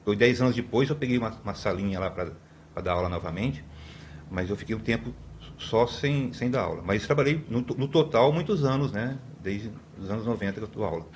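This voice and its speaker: A man's voice: lowish voice, fairly quick, a little hiss or hum. A man in his fifties from Brazil, a podcast guest telling long stories in a rambling way, with many tag questions and restarts. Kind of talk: conversational storytelling.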